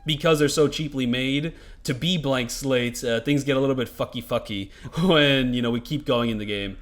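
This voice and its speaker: A man's voice: medium pitch, normal speed. A man giving casual, rambling commentary over gameplay, loose and profane, with lots of filler words.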